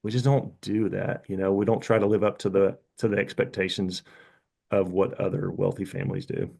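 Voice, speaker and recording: A man's voice: deep voice, lively intonation, brisk, vocal fry, dark tone. Frank, rambling man in his fifties. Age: 50s. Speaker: podcast guest. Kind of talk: casual interview talk.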